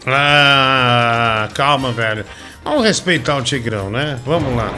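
A man's voice: medium pitch, sharp tone, faint music behind. Teasing man hosting a radio comedy show. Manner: teasing, laughing, quick to cut callers off. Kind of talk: bantering call-in comedy show.

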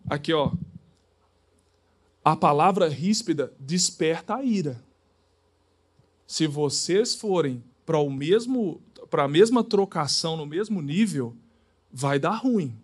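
A man preaches with a high-pitched voice and a lively, conversational delivery. He acts out little scenes as he preaches. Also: takes it slowly, long pauses. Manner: animated, acts out dialogues. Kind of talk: sermon.

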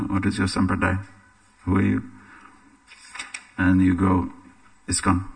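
A deep, gravelly-voiced English man leads a scripture class, speaking in a relaxed, anecdotal way and pausing on fillers. His voice is husky and comes from some distance away from the mic. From England. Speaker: religious teacher. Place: temple hall.

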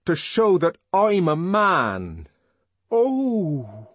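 A man voicing an intense, proud young man who declaims slowly with a voice trembling with emotion. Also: lowish voice, very animated, darkish tone, slightly rough, no room sound, heavily acted.

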